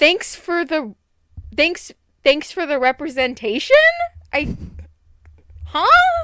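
A woman's high, raised, projected voice at a very slow pace, with lively intonation and long, frequent pauses. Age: 20s. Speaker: podcast co-host. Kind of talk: casual chat.

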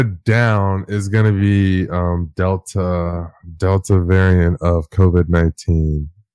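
A fairly low-pitched man at a very slow pace, with a dry, close sound and no echo. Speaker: soccer podcast co-host. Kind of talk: casual chat. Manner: venting, animated.

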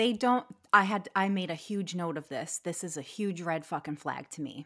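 In a northeastern Pennsylvania accent, the speaker uses a bright, sharp tone at a moderate pace with ordinary pitch variation, on a very clean recording with a silent background. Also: woman. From Pennsylvania, US Northeast. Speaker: podcast co-host. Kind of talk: casual chat.

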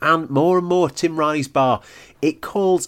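A fairly high-pitched man's voice with a British accent, on a very clean recording with a silent background. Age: 40s. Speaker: podcast host and storyteller. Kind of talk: storytelling monologue. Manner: hesitant, with repetitions.

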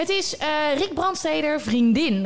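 A woman at a fairly slow pace with very wide pitch swings, amid noticeable background noise. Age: 30s. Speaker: podcast host. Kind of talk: casual chat. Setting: studio.

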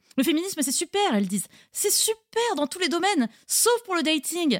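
At a fairly quick pace, a woman speaks with very wide pitch swings, the sound dry and close with no echo. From Paris region, France. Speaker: podcast producer. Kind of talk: casual chat.

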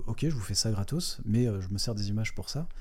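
Fairly quick, medium-pitched male speech with ordinary pitch variation, heard in audible room echo. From Brittany, Finistère (Châteaulin). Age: 30s. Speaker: wedding photographer. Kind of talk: casual interview chat.

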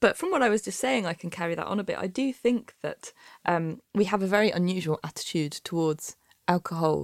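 A woman talks at a fairly quick pace in a dry, close sound with no echo, on a very clean recording with a silent background. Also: medium pitch for a woman, ordinary pitch variation. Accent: British. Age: 30s. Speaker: podcast host and drug researcher. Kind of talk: casual solo chat answering listener questions.

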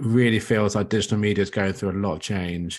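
Against a quiet background, a man talks in a normal speaking voice, fairly low in pitch, with fairly even intonation. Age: 30s. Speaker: podcast host. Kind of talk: casual chat.

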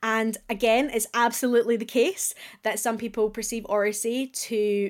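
In a Glaswegian accent, a woman speaks with fairly even intonation on a very clean recording with a silent background. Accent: Scottish, Glaswegian, retained. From Glasgow, Scotland. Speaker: university professor and former teacher. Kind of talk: interview conversation. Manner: compelling, articulate.

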